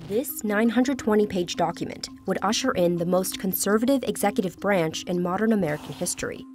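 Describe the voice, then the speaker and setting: A woman anchor reads a news report crisply and evenly. Her voice sits slightly low, with music clearly underneath. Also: darkish tone.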